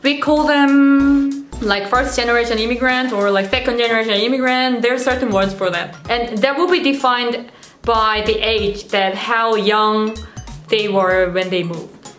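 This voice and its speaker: A woman's voice: fairly high pitch, steady tone, a little slow, fairly bright tone, soft background music. Woman, Korean accent, twenties, casual self-deprecating vlog chat, echoey room. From South Korea. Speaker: vlogger.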